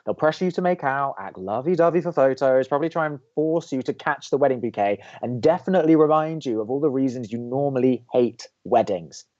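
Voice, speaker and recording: A man playing a cynical, grumpy young college radio co-host in an audio drama, with sardonic, deadpan, exasperated banter. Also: medium pitch, fairly quick, hardly any pauses, highs cut off, natural voice. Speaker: actor in a romantic comedy podcast.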